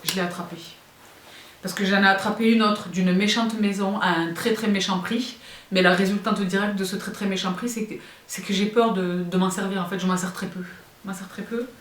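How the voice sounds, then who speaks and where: A woman's voice: mid-range voice, fairly quick. Chatty French woman in a roomy room. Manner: chatty and expressive, addresses viewers as girls. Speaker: fashion vlogger. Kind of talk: casual haul chat to viewers. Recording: roomy, a bit far from the mic.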